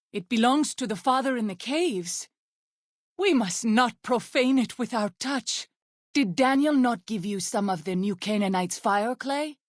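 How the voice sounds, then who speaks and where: An actress voicing a solemn, devout tribal woman in a video game, speaking in a formal, measured and earnest way. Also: mid-range voice, no room sound, studio quality. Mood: reverent, warning. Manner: formal, measured, earnest speech with few contractions. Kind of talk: video game character dialogue.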